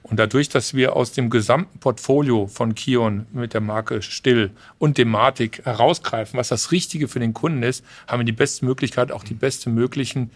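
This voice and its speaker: Male guest, trade fair podcast, explanatory and businesslike, mid-pitched voice. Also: fairly even intonation, moderate pace, few pauses. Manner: explanatory, businesslike, many restarts. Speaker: logistics company representative, guest.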